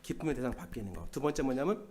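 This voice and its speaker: A middle-aged man preaching a sermon in a church, asking the congregation questions and answering them himself, with loud bursts and quiet asides. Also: medium pitch, expressive, quick pace. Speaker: pastor. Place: church sanctuary.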